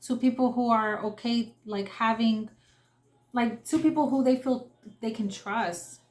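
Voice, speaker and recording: A woman's voice: a little high, measured pace, a little mellow, echoey room. Earnest young woman giving a tarot reading. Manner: emotional, earnest, lots of fillers and restarts. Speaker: tarot reader. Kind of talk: casual spoken tarot reading.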